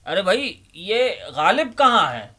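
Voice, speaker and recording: A man acts out a fussy old neighborhood librarian with a fairly high, forceful, bright voice. He is bookish and theatrical, leaning on his phrases in the style of a dramatic stage reading. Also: sing-song, exaggerated voice. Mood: irritated. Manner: emphatic, deliberate, repeats phrases rhetorically. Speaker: host, dramatic reader of Urdu literature.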